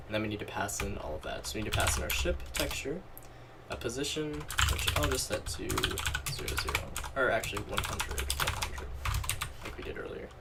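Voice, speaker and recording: A programming tutorial host, a man with a lowish voice that's going a little hoarse, talks casually through a screen-recorded coding walkthrough, thinking aloud and correcting himself as he types. A distant mic picks up heavy noise, with loud keyboard clatter and mouse clicks behind him.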